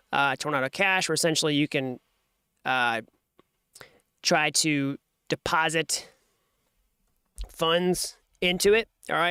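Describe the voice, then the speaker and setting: Brief: American male host, bright clear voice, chatty digressive screen-share explainer. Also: a little high, dry recording, clean studio sound. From United States. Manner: chatty, digressive, searching for links on screen as he talks. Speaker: host of a programming channel.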